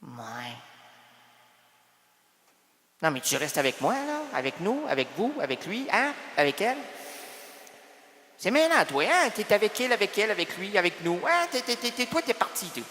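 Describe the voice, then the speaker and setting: A man's voice: high voice, big pitch swings, a little fast, sharp tone, big-room sound. A man with a Quebec French accent hosting a radio show in a rambling comic monologue, full of teasing wordplay and repeated phrases. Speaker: radio host.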